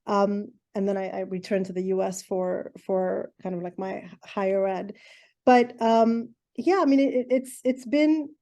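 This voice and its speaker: A middle-aged woman from Iran talks through her answers in an interview. Her voice is mellow, and she pauses often with ums and restarts her sentences as she thinks. She speaks at a medium pitch. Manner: thoughtful, many ums and restarts. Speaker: guest, educational therapist.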